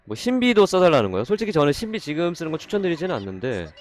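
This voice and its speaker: Excitable male game streamer, lively voice. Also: on the high side, rapid-fire, faint music behind. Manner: excitable, swings from calm explaining to loud exasperated outbursts. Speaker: game streamer doing gacha pulls for a viewer. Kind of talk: casual live-stream commentary.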